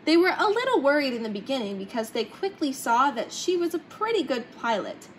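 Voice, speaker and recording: Young woman, high voice, children's story read-aloud, clear background noise in the room. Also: big pitch swings, brisk. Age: young adult. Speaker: storybook reader. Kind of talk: reading a children's picture book aloud. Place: indoor hangar-like museum room, seated in open cockpit.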